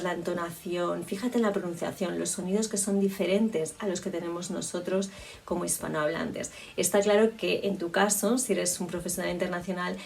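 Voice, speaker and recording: Creaky-voiced woman coaching speech. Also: lowish voice, darkish tone, far from the mic. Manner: reflective, explanatory, with frequent restarts. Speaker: public speaking coach. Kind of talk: spoken lesson on communication.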